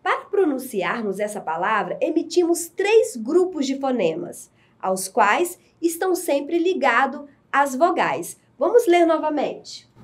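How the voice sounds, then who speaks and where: A woman teacher giving a recorded lesson to adult learners, explaining slowly and clearly. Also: high voice. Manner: slow, clear, deliberate explaining.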